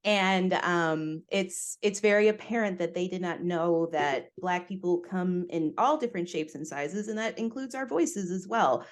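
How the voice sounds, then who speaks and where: A woman guest on a podcast, speaking candidly and with animation in a relaxed interview conversation, from the United States. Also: lowish voice, unhurried, hardly any pauses.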